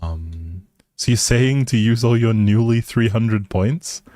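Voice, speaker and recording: A man's voice: on the low side, takes it slowly, mellow, dry recording. A man livestreaming a game with casual, playful, teasing chat to his viewers.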